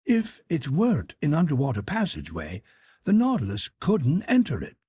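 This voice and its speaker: A man voicing a polite, inquisitive manservant in an audiobook, with a lifted husky voice and an earnest manner. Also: fairly high pitch, wildly swooping pitch, moderate pace, warm tone, no room sound, voice pushed up, exaggerated voice.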